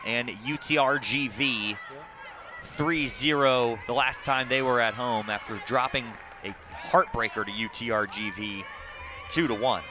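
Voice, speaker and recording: A man's voice: medium pitch, measured pace. A man doing live TV soccer play-by-play, mixing short clipped calls of the action with statistical recaps. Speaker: play-by-play sports commentator. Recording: clearly noisy outdoor broadcast with crowd ambience. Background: crowd and outdoor ambient noise.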